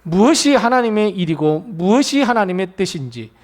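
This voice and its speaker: Male preacher, high and very expressive, acting out quotes mid-sermon. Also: moderate pace. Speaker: pastor.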